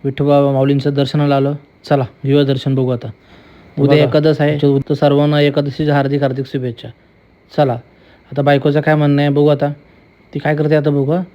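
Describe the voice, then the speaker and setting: A young man talks through his vlog in a chatty, teasing way, repeating himself as he goes. His voice sits a little high for a man. The audio is dull and lo-fi, as if from a phone. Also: completely flat delivery, brisk, clear, resonant tone. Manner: chatty, teasing, repetitive running commentary. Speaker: vlogger. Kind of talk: casual vlog commentary.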